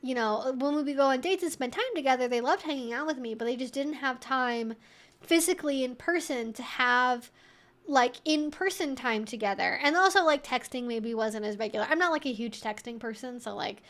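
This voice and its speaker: A woman's voice: high-pitched, brisk, fairly bright tone. A woman hosting a casual advice livestream, answering questions in a conversational, rambling way peppered with "like" and "you know".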